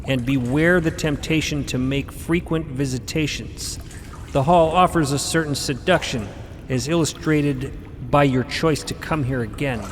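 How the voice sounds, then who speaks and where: An actor playing an eccentric, cryptic elder grandparent in an audio drama, with formal, theatrical diction. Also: male voice, on the high side, a little slow, in a large hall, slight background noise, lightly acted. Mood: grave, cryptic. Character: eccentric elder robed mother-figure, male, grandparental, breezy and cryptic.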